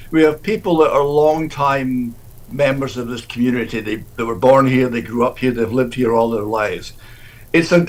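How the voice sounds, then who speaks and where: A mid-range male voice belongs to a deacon answering interview questions. He speaks haltingly, frequently restarting and repeating words.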